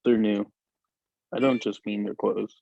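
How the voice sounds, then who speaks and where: A man's voice: on the low side, level tone, a little slow, vocal fry, dark tone, a little hiss or hum. A man playing a teasing young sweetheart in a script table read, on dull, muffled audio.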